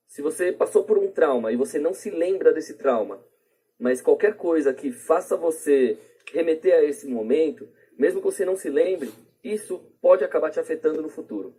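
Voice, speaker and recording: Husky, mellow Brazilian man, higher-pitched. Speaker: podcast guest. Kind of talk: casual explanatory podcast talk.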